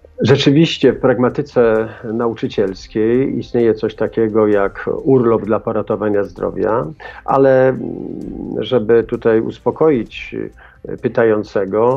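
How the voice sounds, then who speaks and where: Over music in the background, a man speaks very slowly with fairly even intonation. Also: medium pitch for a man. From Poland, Łódź. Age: 60s. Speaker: teachers' union official. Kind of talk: radio interview. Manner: halting.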